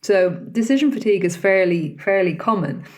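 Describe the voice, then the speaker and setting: With lively intonation, a medium pitch, and a moderate pace, a woman carries a reflective solo podcast. She chats conversationally and keeps turning questions toward the listener.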